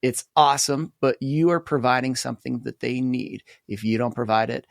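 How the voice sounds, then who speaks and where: A man's voice: mid-range voice, fairly even intonation, creaky, dry recording, studio quality. A man hosting a podcast in casual conversation, emphatic and agreeable, often chiming in with short replies. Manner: emphatic, agreeable, quick interjections. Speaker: podcast host.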